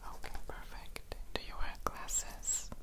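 A man is whispering. His pace is fairly slow. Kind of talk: soft-spoken roleplay exam questions. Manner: soft, hushed ASMR speech close to the mic. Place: home room.

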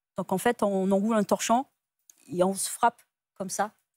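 A woman speaks with fairly even intonation. The sound is dry with no echo, over a quiet background. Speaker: chef. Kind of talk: personal testimony. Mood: earnest, recounting painful experiences. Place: studio. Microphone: lapel.

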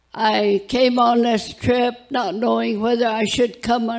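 Against a quiet background, a woman speaks very slowly with monotone, flat intonation. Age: 90s. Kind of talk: award acceptance speech. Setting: live event, audience. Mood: heartfelt, earnest. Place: hall. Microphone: handheld.

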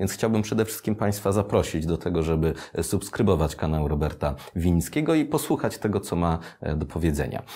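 A man's very deep, low voice, dark and mellow, with lively intonation at a fairly quick pace. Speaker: show host. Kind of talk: interview host introduction. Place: studio.

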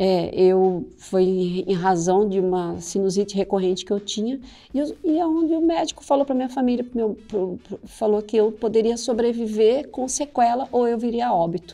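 A woman speaks with a dark, mellow tone and lively intonation. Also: fairly high pitch for a woman, moderate pace, hardly any pauses. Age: 50s. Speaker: women's mentor and speaker; speaker. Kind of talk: interview. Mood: earnest, reflective personal story. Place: studio. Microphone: studio mic.

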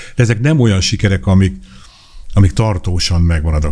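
Moderate-paced speech from a man, very deep and low in pitch, with pitch that varies in an ordinary way. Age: 70s. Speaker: retired police detective. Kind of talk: interview. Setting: studio. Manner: halting. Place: studio. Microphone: studio mic.

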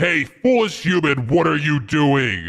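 At a fairly slow pace, the words come out in a put-on character voice. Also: man, fairly high pitch for a man. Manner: menacing, trying to scare.

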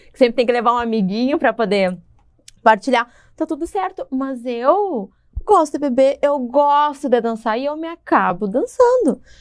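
In a quiet setting, a woman with a high pitch speaks at a moderate pace and with lively intonation. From southern Brazil, Rio Grande do Sul. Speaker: guest panelist; guest. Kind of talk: casual chat. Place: studio. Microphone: lapel.

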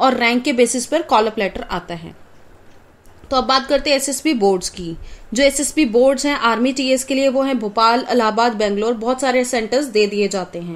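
Pitched high, a woman talks at a moderate speed, her pitch varying in an ordinary way. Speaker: defence exam coaching educator. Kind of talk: educational explainer video.

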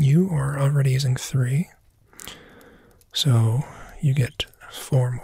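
The voice is soft-spoken with a gentle tone. The sound is dry with no echo over a quiet background. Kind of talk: ASMR roleplay, soothing sleep talk. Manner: soft-spoken, gentle ASMR fox spirit.

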